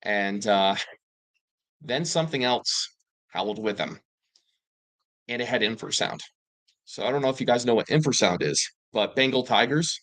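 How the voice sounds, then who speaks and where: Man, casual rambling storyteller, low voice, dry close sound. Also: no room sound, rough recording. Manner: rambling, with fillers and restarts, excited bursts in quoted speech. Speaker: panel guest telling paranormal encounters.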